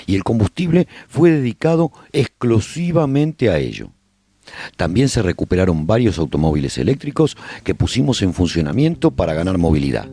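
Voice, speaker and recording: Low, husky male survivor narrating , voiced by an actor. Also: sing-song, moderate pace, warm tone, no room sound, heavily acted. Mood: measured, reflective. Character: male survivor recounting life after a zombie apocalypse. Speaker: narrator of a serial radio drama. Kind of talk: scripted first-person radio drama narration.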